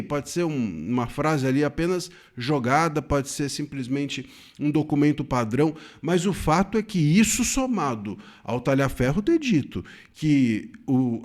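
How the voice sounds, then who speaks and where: A man from Brazil delivering earnest solo commentary with a slightly raised pitch. His intonation rises and falls widely as he builds his points, and he often breaks off to restart a word. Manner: earnest, emphatic, with frequent self-corrections and restarts. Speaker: legal commentator.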